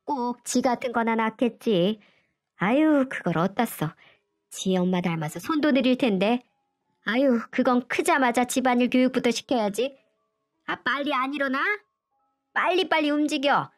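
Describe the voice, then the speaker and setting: A woman's voice: a little high, lively intonation, normal speed, faint music behind, natural voice. A woman reading a story aloud, voicing a cruel, scheming older mother-in-law who scolds harshly and scornfully.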